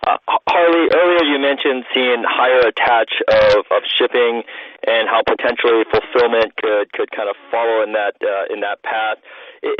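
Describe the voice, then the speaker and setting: A man's voice: mid-range voice, no room sound. A man speaking as a financial analyst, asking questions on an earnings call over a phone line. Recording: dry, narrow phone line.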